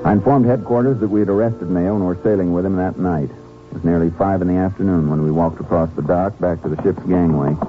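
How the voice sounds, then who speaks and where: An actor playing a calm, businesslike Texas Ranger, steady and authoritative, in a 1950s radio drama. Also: male voice, sits low, fairly quick, soft background music, close to an everyday voice. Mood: measured narration. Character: calm, businesslike Texas Ranger lawman narrating his case. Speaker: lead character and narrator. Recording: tinny old radio recording.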